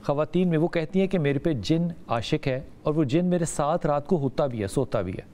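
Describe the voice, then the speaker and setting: A man's voice: on the high side, lively intonation, normal speed, mellow. A man with a Pakistani Urdu accent hosting a live call-in health talk show, often breaking in with short agreeing interjections.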